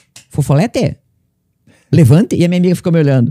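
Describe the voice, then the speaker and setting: Speaking at a very fast pace, a woman with a fairly low pitch sounds somewhat breathy, her dark, mellow tone recorded dry and close with no echo. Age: 60s. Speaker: psychologist and lawyer. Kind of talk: podcast interview.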